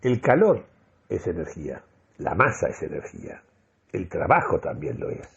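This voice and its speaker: An actor playing a euphoric, deluded man who solemnly delivers a grandiloquent radio monologue with deliberate, dramatic pauses. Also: sits low, very animated, vocal fry, breathy edge, muffled recording, heavily acted. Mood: solemn, exalted. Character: euphoric, deluded man convinced of mystical energy communication. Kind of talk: theatrical first-person radio monologue.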